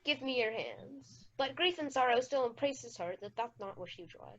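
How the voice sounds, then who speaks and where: A woman's voice: on the high side, animated, normal speed, fairly bright tone. A woman playing a solemn, wondering king and father in a Shakespeare radio play. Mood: solemn, moved. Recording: dull, lo-fi amateur recording.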